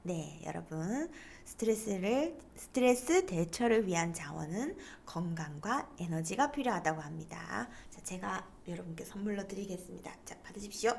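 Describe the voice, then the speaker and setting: A woman's voice: lowish voice, lively intonation, normal speed, gravelly, hardly any pauses, a little hiss or hum. A middle-aged woman giving a lecture, explaining terms and leading students to read aloud together. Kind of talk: online lecture on stress coping.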